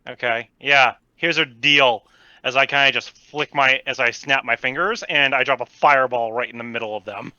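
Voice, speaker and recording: A man's voice: medium pitch, moderate pace, pushed and bright, no echo. A man playing a tabletop game, decisively describing his character's actions. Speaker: player. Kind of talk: casual tabletop play. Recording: dull lo-fi mic, dry.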